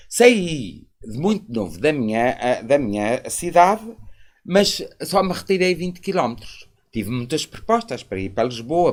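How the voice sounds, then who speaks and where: A middle-aged man from Portugal with a European Portuguese accent, hosting a live spiritist talk and answering viewers in a rambling, animated way. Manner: animated, rambling, pitch swinging up and down. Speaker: spiritist live-stream host. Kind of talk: live stream talk with callers and comments.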